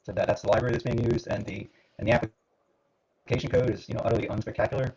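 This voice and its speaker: A man giving a live coding demo as a guest, talking in a halting way with many fillers while his call audio breaks up. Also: medium pitch, flat delivery, gravelly, a little mellow, breathy edge. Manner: halting, full of fillers and restarts. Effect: choppy, breaking-up call audio. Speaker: guest demonstrating software. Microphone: computer headset on a video call. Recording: dull lo-fi online call audio.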